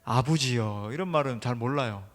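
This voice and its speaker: Middle-aged male pastor, emphatic sermon delivery, slightly high voice, long church-hall reverb. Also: sing-song, fairly quick. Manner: emphatic preaching, addresses the congregation directly. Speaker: senior pastor. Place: church sanctuary during an evening service.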